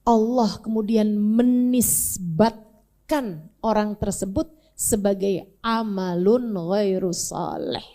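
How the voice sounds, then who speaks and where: A woman's voice: mid-range voice, takes it slowly, dark tone. A woman preacher giving a sermon, telling a prophet's story dramatically. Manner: dramatic storytelling with wide swings. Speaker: female Islamic preacher.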